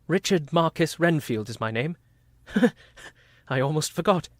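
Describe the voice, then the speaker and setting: A man's voice: a little high, lively intonation, measured pace, no echo. An actor playing a guilt-ridden, rambling asylum madman in a community radio play, swinging from mutters to frantic cries. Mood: haunted.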